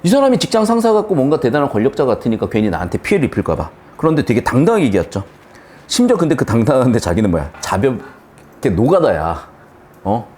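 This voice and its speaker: A man's voice: mid-range voice, fast talker. A man teaching a literature lesson for exam students, talking bluntly with slang and the odd swear word. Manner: animated, blunt, slangy and profane. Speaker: Korean language teacher. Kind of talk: exam-prep literature lecture.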